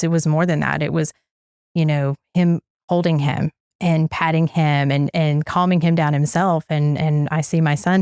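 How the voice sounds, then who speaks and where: Low-voiced earnest mother being interviewed. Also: vocal fry, darkish tone, clean tone, no echo, studio quality. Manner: earnest, repeats words while searching for them. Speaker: guest, parent of a toddler. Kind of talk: candid interview testimonial.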